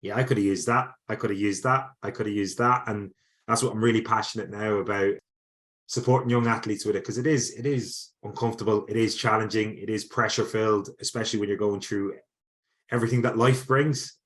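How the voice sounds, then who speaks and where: Irish man, relaxed and low-voiced. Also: brisk. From Ireland. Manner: frequent restarts and repeated words. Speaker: sports psychology lecturer and guest. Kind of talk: casual conversational interview answers.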